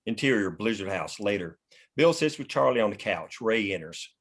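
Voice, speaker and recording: A man's voice: lowish voice, lively intonation, moderate pace. A man narrating stage directions at a screenplay table read in a matter-of-fact way.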